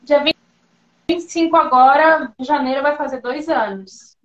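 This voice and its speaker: A woman from Porto Velho talks as the guest of a live-stream interview, chatty, expressive and quick to poke fun at herself. Her voice sits high. The sound is dull and muffled, like a lo-fi line. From Porto Velho, Rondônia, Brazil. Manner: chatty, expressive, self-deprecating. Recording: dull lo-fi audio.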